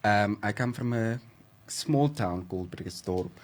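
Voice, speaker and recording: A man's voice: on the low side, unhurried. A South African man in his twenties, a guesthouse manager being interviewed on radio, chatty and hesitant with many fillers. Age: 20s.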